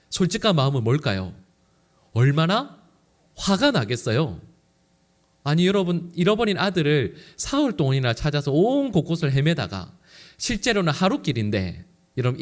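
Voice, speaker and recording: Male pastor, Sunday sermon, lively swinging delivery, constant rhetorical questions to the congregation. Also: fairly high pitch. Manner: animated, acts out quoted lines. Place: church sanctuary.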